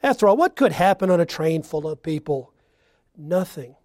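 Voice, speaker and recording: A man preaching a sermon, moving between loud emphatic lines and quiet, hushed ones. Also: fairly high pitch, lively intonation, brisk, no echo, studio quality.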